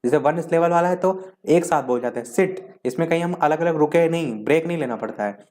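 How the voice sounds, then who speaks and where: A male teacher giving an exam revision lesson, explaining step by step and listing terms one by one, slowing down to read out definitions. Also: on the high side, a little mellow. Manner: slows down to read out English definitions.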